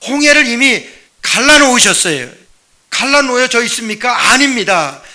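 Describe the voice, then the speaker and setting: Bright-voiced pastor preaching emphatically. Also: male voice, very high-pitched. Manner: emphatic, asks the congregation questions and answers them; drops to a quiet, rambling aside when telling a personal story. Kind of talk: sermon.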